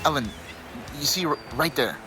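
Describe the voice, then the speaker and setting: A man's voice: a little high, moderate pace, over music, natural voice. A man playing a nervous, goofy young husband with super strength, stammering and slangy, in an audio drama. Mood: hesitant. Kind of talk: acted audio fiction dialogue.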